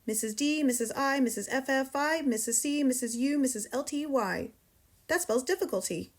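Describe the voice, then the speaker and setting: A woman's voice: on the high side, animated, quick pace. A woman voicing a young schoolboy who chatters eagerly in a sing-song way.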